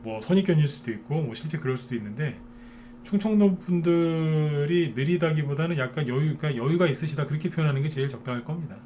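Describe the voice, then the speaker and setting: A man's voice: fairly high pitch, fast, mellow, slight background noise. A man giving a live stock market lecture to viewers, talking in a chatty way and often checking in with them through short tag questions.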